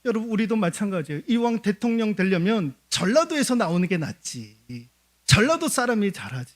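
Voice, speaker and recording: A man delivers a church sermon with a high voice that rises and falls constantly. He keeps asking the congregation questions and answering them himself, in a lively preaching manner. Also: fairly quick. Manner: animated preaching with rhetorical questions; addresses the congregation often. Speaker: pastor. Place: church service.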